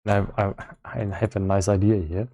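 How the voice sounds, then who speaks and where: A man giving casual live-stream commentary as he works on a game, thinking aloud in a halting way with repeated words. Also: lowish voice, flat delivery, dark tone. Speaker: solo game developer streaming.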